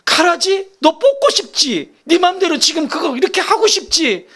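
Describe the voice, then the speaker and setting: A man voicing a tender, protective fatherly God who pleads and reassures with soft insistence. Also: extremely high pitch, very animated, normal speed, pitched above the performer's own voice, exaggerated voice. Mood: pleading.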